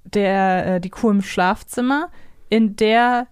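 A woman with a medium-pitched voice talks casually as a podcast co-host. The sound is dry, without room echo. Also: slow, darkish tone, smooth. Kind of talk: casual chat.

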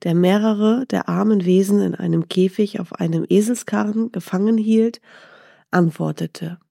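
A woman calmly reading a teaching fairy tale aloud in a measured way. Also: mid-range voice, vocal fry, dry recording, studio quality. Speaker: storyteller. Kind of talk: storybook reading.

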